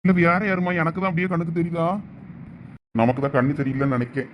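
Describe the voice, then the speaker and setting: A man's voice: on the high side, fast talker, slight background noise, lightly acted. A man playing a senior student, keeping up a nosy running commentary on what he sees. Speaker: senior student in a comedy skit.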